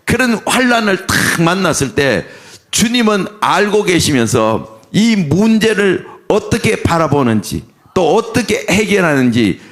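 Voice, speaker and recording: A man's voice: sits high, sing-song, unhurried, fairly bright tone. A middle-aged man preaching a sermon as pastor, asking the congregation questions and answering them himself.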